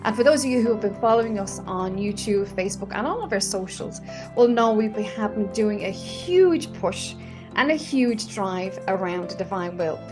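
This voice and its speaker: A woman's voice: medium pitch, lively intonation, normal speed, over music. A woman, hosting a casual online interview with enthusiasm, full of fillers and restarts. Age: 50s. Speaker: host. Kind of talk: casual video-call interview.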